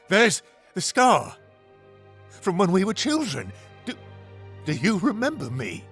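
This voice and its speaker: A man playing a shrewd, genial pirate overlord in an audio drama, with a gravelly, husky voice and a deliberate, insinuating, theatrical delivery. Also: high voice, sharp tone, full character voice. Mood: astonished, emotional. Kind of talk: swashbuckling audio roleplay acting.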